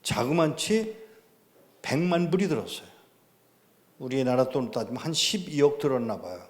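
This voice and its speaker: A man's voice: medium pitch, animated, normal speed. A man in his sixties, a pastor, preaching a testimony sermon with emphatic delivery and rhetorical questions in a church sanctuary. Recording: long church-hall reverb.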